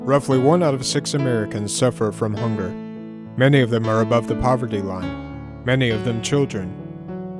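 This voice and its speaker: A young man delivers scripted radio spots in a medium-pitched announcer's read. Clear music plays behind him. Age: young adult. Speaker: media student and radio announcer. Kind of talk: scripted radio commercial narration.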